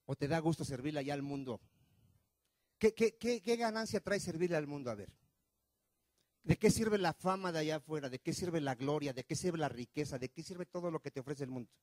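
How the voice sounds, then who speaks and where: A male pastor preaches, firing question after question at his congregation. His voice sits fairly high for a man, swinging from loud pushes to low murmurs. The sound is dry and close. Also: lively intonation, a little fast, no echo. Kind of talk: sermon. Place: church.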